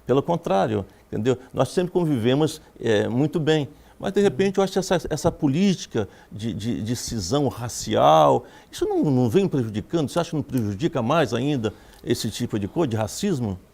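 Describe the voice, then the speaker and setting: Brazilian TV host, gravelly mid-pitched voice, hesitant questioner. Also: male voice, lively intonation, brisk, few pauses, a little mellow. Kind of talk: TV panel moderation.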